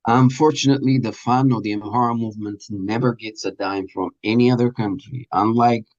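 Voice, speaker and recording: A man being interviewed, explaining earnestly in a halting, deliberate way with pauses mid-sentence. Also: fairly low pitch, fairly even intonation, a little mellow, highs cut off. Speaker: radio presenter and producer being interviewed.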